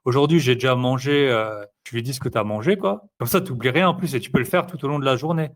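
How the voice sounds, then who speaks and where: A man speaks in an easygoing, conversational way, pausing often on fillers as he thinks out loud. His delivery is loose and unhurried, like talking with a friend. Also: medium pitch. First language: French. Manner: rambling, filler-heavy, relaxed. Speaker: interviewee, investor. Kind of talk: casual conversational chat.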